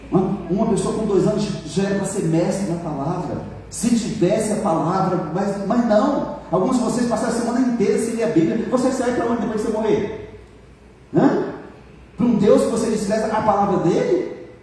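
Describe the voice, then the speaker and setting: Brazilian pastor preaching in an echoey hall. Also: male voice, sits high, fairly quick, warm tone, a little hiss or hum. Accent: Brazilian Portuguese. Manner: colloquial, joking, rising to emphatic preaching. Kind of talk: sermon with personal testimony. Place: church hall. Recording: echoey church hall from far off.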